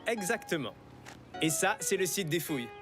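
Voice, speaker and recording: A friendly cartoon archaeologist, enthusiastic and patient with children. His delivery swings up and down in pitch as he explains and encourages. Music runs behind him. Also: lively intonation, normal speed. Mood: cheerful.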